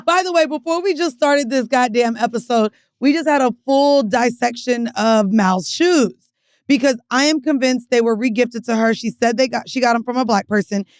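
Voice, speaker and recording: A woman's voice: fairly high pitch, normal speed, no echo, studio quality. A woman co-hosting a podcast, brash and teasing in casual banter, sometimes singing out her lines. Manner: brash, teasing, sings out promos. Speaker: podcast co-host.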